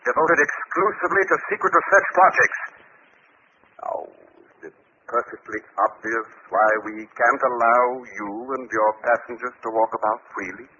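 An actor playing a stern, imperious military commander in 1950s radio drama style, formal and curtly dismissive. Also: male voice, medium pitch, pushed and bright, natural voice. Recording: noisy, muffled 1950s radio recording.

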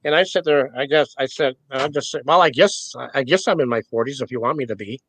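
A man's voice: mid-range voice, brisk, fairly bright tone, slight background noise, rough recording. Folksy rambling older man in his sixties. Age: 60s. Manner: rambling, folksy, chuckles between points. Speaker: interviewee. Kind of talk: casual spoken interview.

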